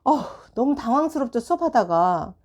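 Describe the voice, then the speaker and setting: Lively woman teacher telling a story. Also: a little high, a little fast. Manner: animated, acts out classroom dialogue. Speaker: tutoring room teacher. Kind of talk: casual storytelling advice talk.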